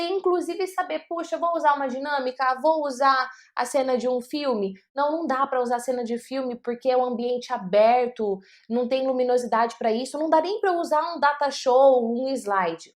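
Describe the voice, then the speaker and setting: A woman teaching public speaking tips, talking straight to the viewer with emphatic points and rhetorical questions. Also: sits high. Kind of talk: motivational teaching talk.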